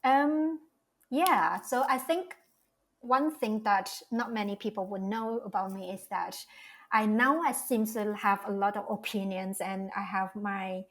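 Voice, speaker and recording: A woman's voice: medium pitch, measured pace. A woman, talking as an interview guest in a reflective way, often restarting her phrases as she thinks aloud. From Malaysia. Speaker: guest, cultural strategist. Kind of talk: casual interview talk.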